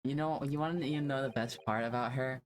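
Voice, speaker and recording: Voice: medium pitch, brisk. A game streamer making casual conversation during a playthrough. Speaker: streamer reading game dialogue aloud.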